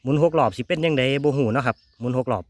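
A man with an Isan accent hosting a casual hands-on demo, talking excitedly and repeating his words as he tests an engine. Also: mid-range voice, fast talker, dry recording. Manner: excited, repeats words, exclaims over results. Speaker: video host.

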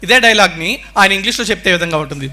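A man's voice: sits high, expressive, racing, sharp tone. A man, a mimicry artist, politely introducing his impressions to an audience. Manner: polite, announcing each act. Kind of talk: stage patter introducing impressions.

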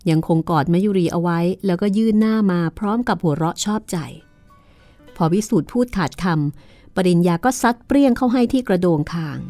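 A woman podcast host calmly reading a novel aloud in a studio. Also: lowish voice, dry recording, faint music behind. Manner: calm, measured storytelling. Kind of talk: audiobook narration.

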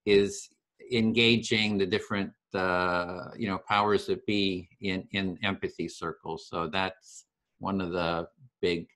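A man's voice: low-pitched, flat delivery, a bit bright. Earnest man on a video call. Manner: earnest, enthusiastic, halting restarts. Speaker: host of empathy circle series. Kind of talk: casual video call discussion.

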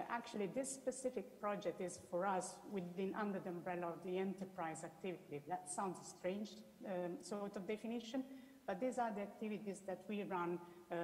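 A woman's voice: on the low side, a little mellow. A woman with an Italian accent giving an explanatory presentation as an academic researcher, often restating her words. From Italy. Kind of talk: spoken presentation with slides. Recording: echoey hall with long reverb.

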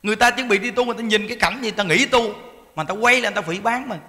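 A man, a Buddhist monk giving a sermon in a folksy, animated storytelling manner. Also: high-pitched, rapid-fire. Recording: long hall reverb.

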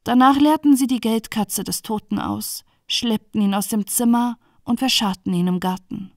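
A woman reading a dark bedtime fairy tale aloud in a calm, even narrating voice. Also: on the high side, moderate pace, no echo, studio quality. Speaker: storyteller.

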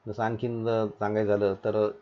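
Patient male schoolteacher explaining to children, halting delivery; dull lo-fi recording. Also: fairly low pitch, completely flat delivery. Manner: patient, repeats instructions, hesitant fillers. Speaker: teacher.

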